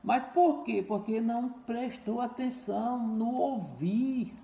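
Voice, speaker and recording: A man's voice: very high-pitched, slow, vocal fry, very noisy. An older man preaching a sermon, repeating key words and calling his listeners dear ones and brothers. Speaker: pastor. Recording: echoey room, dull lo-fi sound.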